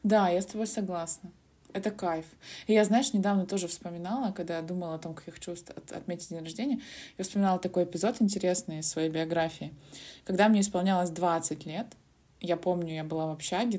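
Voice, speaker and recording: A young woman near thirty co-hosting a podcast, agreeing warmly and telling reflective stories from her own life. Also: fairly low pitch, fairly even intonation, fast. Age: 20s. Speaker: podcast co-host. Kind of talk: casual podcast chat.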